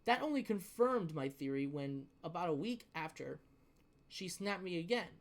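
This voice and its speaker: A young adult man telling a story in a casual rant, profane and emphatic, often halting and repeating his words. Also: sits high, lively intonation.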